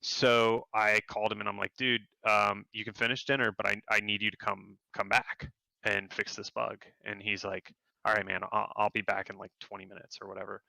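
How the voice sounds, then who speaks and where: Low gravelly guy, bright edge, dry close sound, telling wild work stories in an interview. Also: moderate pace, dry recording, rough recording. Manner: animated, acts out quotes in a higher voice. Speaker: game developer guest. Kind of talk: casual storytelling interview.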